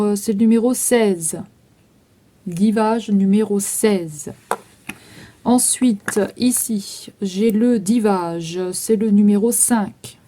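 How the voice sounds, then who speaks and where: Mellow-voiced woman listing makeup for sale. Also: mid-range voice. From France. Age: 30s. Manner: itemizing prices and numbers, many fillers. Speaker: vlogger selling makeup. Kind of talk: casual sales walkthrough.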